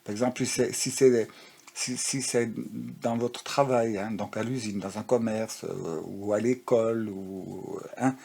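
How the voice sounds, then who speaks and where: A man's voice: fairly low pitch, steady tone, a little slow, gravelly, mellow, a little hiss or hum. A man giving a casual spiritual tarot reading, rambling, with many fillers and restarts. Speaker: tarot card reader. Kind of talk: casual spiritual guidance talk.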